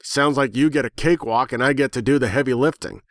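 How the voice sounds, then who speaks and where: A man's voice: mid-range voice, fast talker, no echo, clean studio sound, close to an everyday voice. A man voicing a sarcastic, foul-mouthed, smoking pony with flippant, slangy delivery in a dramatic story reading. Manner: flippant, slangy, animated sparring. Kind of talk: dramatic reading of fan fiction.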